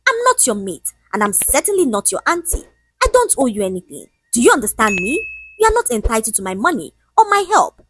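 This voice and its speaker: A woman voicing a rich, cruel, arrogant woman boss who talks in a sharp, scornful, barking way. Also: a little high, wildly swooping pitch, fast, husky, full character voice.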